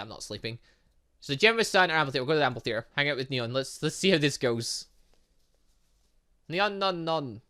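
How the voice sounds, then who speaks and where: Guy doing a chatty let's play, bright voice, pretty high, mutters to himself while he plays. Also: clean tone. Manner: chatty, thinking aloud, muttering asides to himself. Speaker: gaming channel host playing a visual novel. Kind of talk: casual let's play commentary, reading game text aloud.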